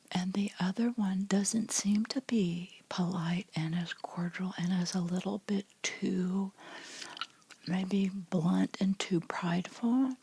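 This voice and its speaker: A middle-aged woman whispering softly to her viewers in a rambling vlog chat, full of restarts and fillers. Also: mid-range voice, husky. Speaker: vlogger.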